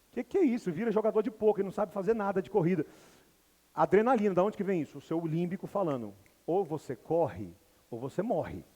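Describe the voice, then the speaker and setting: A high-pitched Brazilian teacher, heard with a big-room sound, delivers a lively English lecture full of acted-out anecdotes, taking on the voices of the people he describes for his live audience.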